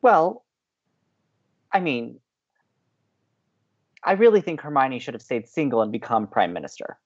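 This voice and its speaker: Animated, idealistic young radio co-host, played by a man. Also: medium pitch, a little slow, lo-fi sound. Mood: playful. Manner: opinionated, playful, animated. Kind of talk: bantering audio drama acting.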